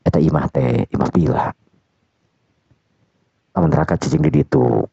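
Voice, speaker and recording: A man voicing a handsome young man who calmly coaxes his girlfriend. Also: very deep voice, moderate pace, gravelly, slightly rough, no room sound, pitched below the performer's own voice, heavily acted. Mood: explaining. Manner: coaxing, calm reassuring. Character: handsome young man Raka, smooth persuader. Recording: dull dry lo-fi recording.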